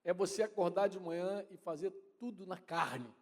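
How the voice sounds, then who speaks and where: A man with a high, slightly mellow voice preaches at a normal speed in a church hall where the sound trails off in long reverb. He is a pastor with a Brazilian Portuguese accent, and his sermon is conversational, often aimed directly at his congregation and his wife.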